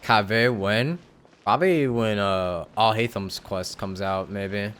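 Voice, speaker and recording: A young man giving casual, slangy live gameplay commentary, reacting aloud in a halting way. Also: fairly low pitch, a bit bright, a little hiss or hum. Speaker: game streamer.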